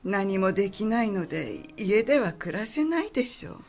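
A woman acting as an elderly mother in a radio drama, brisk and confident at first, then quiet and halting. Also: medium pitch, sing-song. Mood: frail. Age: older.

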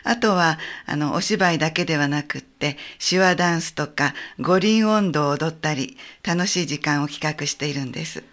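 A woman from a visiting theater troupe, speaking calmly and gently about their plays. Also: deep voice. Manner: calm, gentle, measured talk with fillers. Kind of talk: radio interview.

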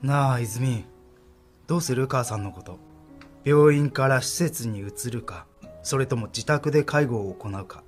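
A man acting as a caring middle-aged son in a radio drama, earnest and gentle, his voice dropping low when he worries. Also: measured pace, soft background music, lightly acted.

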